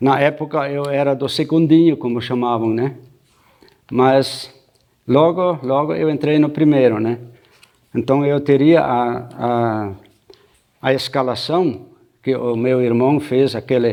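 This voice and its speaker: A man talks at a very slow pace with long, frequent pauses. His pitch is medium. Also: ordinary pitch variation. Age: 70s. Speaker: club founder, former footballer. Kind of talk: interview testimony.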